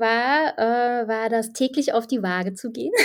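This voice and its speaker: A high-pitched woman at a moderate pace, her pitch varying in an ordinary way. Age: 40s. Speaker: department manager, former client. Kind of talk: interview testimony. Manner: hesitant, many filler sounds.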